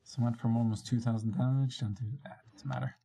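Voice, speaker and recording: With a rumbling low, dark voice and vocal fry, a woman speaks briskly and with fairly even intonation. She's casually commenting on a game she's streaming, talking to herself, exasperated in a playful way and swearing often.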